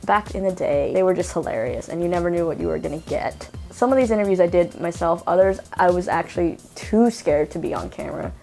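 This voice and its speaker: A woman in her thirties hosting an interview channel, narrating in a chatty, self-deprecating way with a low, slightly mannish voice. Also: animated, fairly quick, few pauses, darkish tone, faint music behind. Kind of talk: casual video narration.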